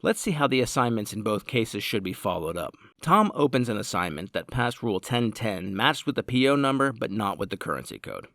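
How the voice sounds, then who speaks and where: A man reading a scripted software tutorial in a measured, formal, explanatory way. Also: fairly low pitch, very animated, vocal fry, no echo, studio quality. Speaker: product tutorial narrator.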